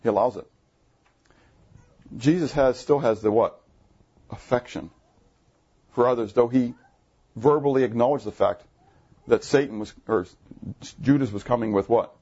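Husky animated preacher man. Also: moderate pace, long pauses, muffled recording. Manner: animated, asks the congregation questions; jumpy pitch, bursts high when excited. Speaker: pastor. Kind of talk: sermon. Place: church assembly room.

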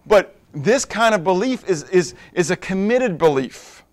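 A middle-aged male pastor preaching a sermon in a lively, high-pitched voice. He talks to the congregation like a conversation, full of rhetorical questions. He drops to hushed asides, then builds to emphatic points. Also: measured pace.

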